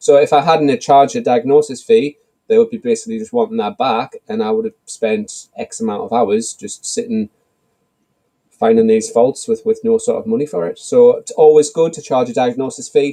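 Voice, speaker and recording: A man speaks at a moderate pace with a dark, mellow tone and very wide pitch swings. The sound is dry and close, with no echo. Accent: Sunderland. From northeast England, near Sunderland. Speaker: computer repair shop owner. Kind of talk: live show discussion.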